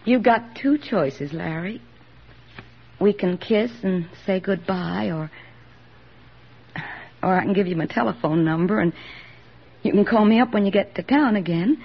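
A woman's voice: mid-range voice, a little slow, creaky, long pauses, husky. A woman playing an earnest young army nurse in a 1940s radio drama, speaking with heartfelt sincerity. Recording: dull old radio broadcast recording.

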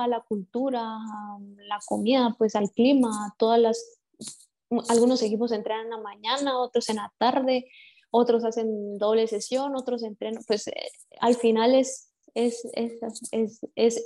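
Mellow-voiced Guatemalan woman. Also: on the high side. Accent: Guatemalan Spanish. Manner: measured, frequent restarts and fillers. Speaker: professional footballer, interview guest. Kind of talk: reflective interview answers.

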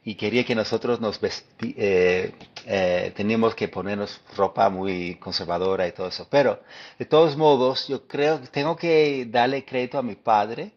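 Low-voiced American man, halting Spanish. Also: dull audio. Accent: American English. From Detroit, United States. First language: English. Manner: thoughtful, halting, many fillers and restarts. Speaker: guest historian. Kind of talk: interview conversation.

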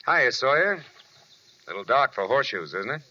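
An American actor playing a wry, tough, wisecracking private detective in a 1940s radio drama. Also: male voice, mid-range voice, very animated, normal speed, close to an everyday voice. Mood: wry, probing. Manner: wisecracking, hard-boiled. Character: wry, tough male private detective telling his own story. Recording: noisy, muffled old radio recording.

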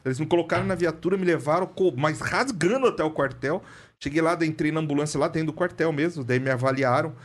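A man with a Brazilian Portuguese accent tells a story on a podcast, speaking very quickly in a slightly raised voice. He is animated, laughs often and acts out what people said. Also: a little high. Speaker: podcast guest, press reporter. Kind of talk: casual storytelling chat.

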